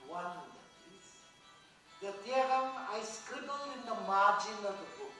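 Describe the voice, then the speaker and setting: A man acting a vain, teasing dead mathematician in a dramatised play reading, lecturing theatrically with pauses. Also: very high voice, pushed and bright, exaggerated voice. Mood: smug, wistful. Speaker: stage actor. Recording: echoey hall, distant mic, faint noise.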